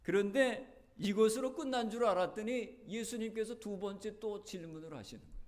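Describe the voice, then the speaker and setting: A man's voice: sits high, fairly quick, darkish tone. A male pastor preaching a sermon in a church, telling the story earnestly, his voice rising and dropping. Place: church sanctuary.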